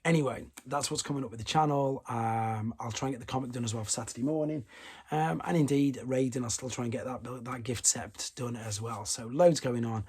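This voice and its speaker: A man with a fading, hoarse voice, hosting a casual toy news roundup and rambling through asides and self-corrections. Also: mid-range voice, steady tone, a little fast, darkish tone. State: losing his voice. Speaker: toy collecting channel host.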